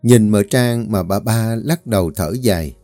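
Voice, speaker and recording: A man narrating a family drama story in a calm, even storytelling voice. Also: fairly low pitch, unhurried, no echo, soft background music.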